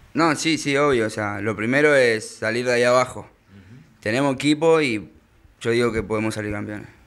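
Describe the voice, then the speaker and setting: At a fairly quick pace, a man talks at a medium pitch, with ordinary pitch variation and big swings in loudness. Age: 20s. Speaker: football player. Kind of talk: interview; interview answer. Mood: relaxed, hopeful, smiling. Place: home room. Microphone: handheld.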